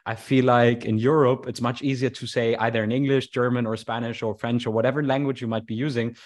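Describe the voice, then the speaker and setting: A man's voice: medium pitch, steady tone, fairly quick. Male podcast host, conversational, hesitant delivery, mid-range voice. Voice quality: single-sided deafness. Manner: hesitant, many fillers and restarts. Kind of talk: casual conversation.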